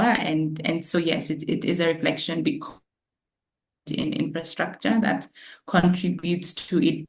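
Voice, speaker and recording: Woman guest on a webinar, low flat voice, stops and repeats a lot. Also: creaky, slight background noise, low-quality recording. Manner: halting, with repeated words. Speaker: guest expert on East African markets. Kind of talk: webinar Q&A answers.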